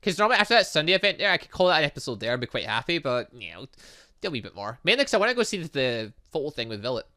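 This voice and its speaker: A man hosts a video game playthrough in a bright, forceful voice. His pitch swings widely as he rambles through his thoughts. He is excitable, breaking into asides and exclamations, in a close, dry sound. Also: racing, no echo. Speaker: gaming channel host. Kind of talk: let's-play commentary, reading game dialogue aloud.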